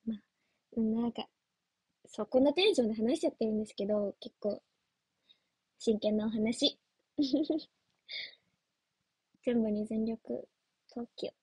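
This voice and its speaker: A woman's voice: a little high, unhurried, long pauses, mellow, breathy edge, no echo. A young woman chatting casually on a livestream as an idol trainee, giggly and playful as she answers viewer comments. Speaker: idol trainee streaming live.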